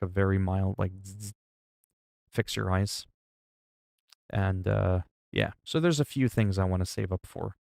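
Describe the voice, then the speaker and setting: A livestreamer in his forties chats casually and profanely with his viewers, rambling and using everyday examples to explain things. His voice is fairly low and gravelly, recorded in studio quality with no room sound.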